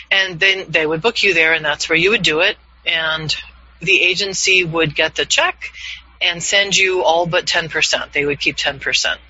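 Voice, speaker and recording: A man in his fifties, a voiceover coach leading an online class, upbeat and quick to laugh. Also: a little high, bright, forceful tone, breathy edge. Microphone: video call. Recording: dull, lo-fi video call audio.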